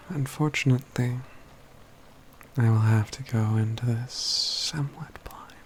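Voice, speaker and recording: A man plays a mage companion who is wry, self-assured, and caring in an ASMR fantasy roleplay, speaking softly and breathily, almost in a whisper, with measured, formal phrasing. His medium-pitched voice sounds teasing and lightly acted. There's a little hiss or hum.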